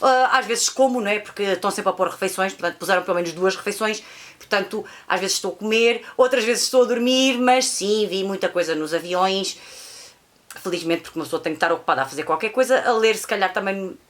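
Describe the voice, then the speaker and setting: A woman's voice: mid-range voice, fast, fairly bright tone. A woman with a European Portuguese accent chatting casually in a vlog, rambling and repeating herself with many fillers. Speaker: vlogger reviewing films and series. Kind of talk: casual monthly recap vlog.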